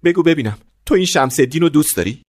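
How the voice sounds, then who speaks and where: A man's voice: a little high, animated, no room sound. An actor playing a stingy, scheming middle-aged father in a radio play, switching from blustering to wheedling. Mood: pleading, bitter. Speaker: father of the bride.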